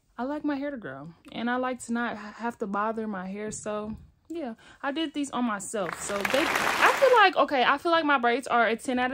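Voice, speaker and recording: A woman talks at a fairly quick pace with a high pitch and ordinary pitch variation. Noticeable background noise sits behind her. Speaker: vlogger. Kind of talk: casual vlog chat. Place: home room. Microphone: phone near.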